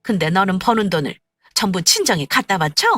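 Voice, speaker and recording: A woman voicing an overbearing older mother-in-law with a sharp, piercing voice and a scolding manner. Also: mid-range voice, animated, brisk, dry recording, clean studio sound, soft background music. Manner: scolding, demanding.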